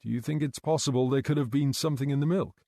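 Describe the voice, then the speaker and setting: A man playing a patient, gentle detective. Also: mid-range voice, steady tone, vocal fry, dry recording, clean studio sound, natural voice. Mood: calm. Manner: gentle, measured questioning. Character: calm, patient male detective.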